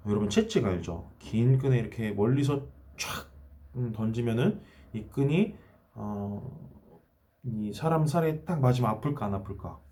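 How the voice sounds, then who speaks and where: A man's voice: medium pitch, lively intonation, moderate pace, mellow, a little hiss or hum. A man preaching a children's sermon, telling the story and asking the children questions as he goes. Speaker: children's pastor.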